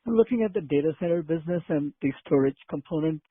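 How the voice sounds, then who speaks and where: A man, a financial analyst, asking probing, halting clarification questions on an earnings call. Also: on the high side, lively intonation, husky, no echo. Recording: dry, narrow phone line.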